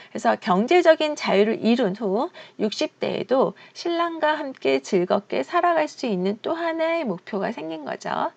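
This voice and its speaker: A woman's voice: fairly high pitch, gravelly, lo-fi sound. A woman in her fifties talking earnestly and reflectively to her viewers in a personal vlog. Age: 50s. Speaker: real estate auction instructor and YouTuber.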